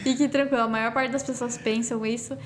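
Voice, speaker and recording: A woman's voice: a little high, fairly even intonation, a little fast, slight background noise. Woman podcast guest explaining plainly. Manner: explains with everyday examples, frequent "né?". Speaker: sign language teacher, podcast guest. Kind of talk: casual podcast conversation.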